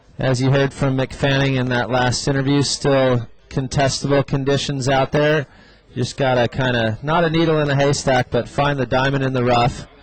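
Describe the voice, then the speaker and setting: The speaker has an American accent and talks at a moderate pace in a flat monotone. Loudness stays very even, and there is noticeable background noise. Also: man, medium pitch for a man. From Southern California. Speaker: surf commentator. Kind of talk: live commentary. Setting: commentary box.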